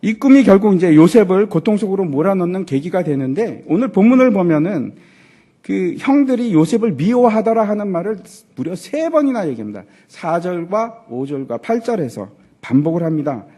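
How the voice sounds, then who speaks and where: A man, a pastor, preaching an animated sermon in a church, asking the congregation questions and acting out quoted lines in character voices. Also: sits high, normal speed. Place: church sanctuary.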